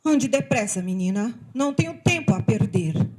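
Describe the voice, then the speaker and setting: A woman from voicing a stern, hardworking female ant who barks orders in a scolding, brisk way. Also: on the high side, animated. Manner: scolding, brisk, loud commands.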